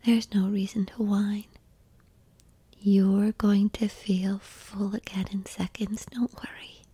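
Very slowly, a woman whispers in a breathy, mellow, mid-range voice, soft and coaxing from start to finish. Her tone stays steady and reassuring in an intimate roleplay, recorded close and dry with no echo or room sound.

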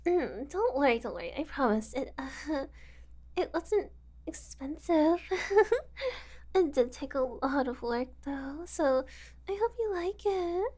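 A woman's voice: high voice, animated, takes it slowly, a little mellow. A woman playing a giggly, unhinged young woman kidnapper who teases and whispers asides in a sweetly menacing way. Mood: playful teasing. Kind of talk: audio roleplay acting.

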